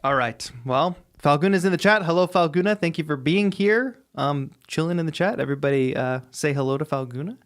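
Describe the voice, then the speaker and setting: A man hosting a live stream, chatting casually and giving conversational, softened critique of music. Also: on the high side, animated, fairly quick, hardly any pauses. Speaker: host judging music challenge entries.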